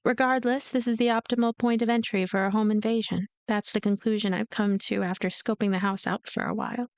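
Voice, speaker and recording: A woman reading a game's story aloud as a let's play host, with expressive narration and casual asides. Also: medium pitch, brisk, smooth, no echo. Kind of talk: voiced narration with casual commentary.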